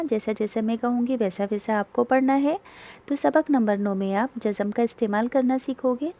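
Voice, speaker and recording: A woman with a fairly high but mellow, warm voice teaches a class of schoolchildren. She speaks patiently, spelling each word slowly letter by letter and then saying it whole. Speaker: Urdu teacher. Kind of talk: spelling-aloud lesson for schoolchildren.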